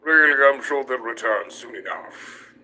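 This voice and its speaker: A man playing a gentle, fatherly older character with a measured, unhurried delivery in a dramatic comic dub. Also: mid-range voice, a little hiss or hum. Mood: calm, reassuring.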